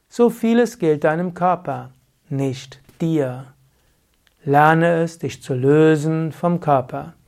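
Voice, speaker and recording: A man giving a spoken spiritual teaching, talking calmly and directly to the listener in short, repeated phrases. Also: on the high side.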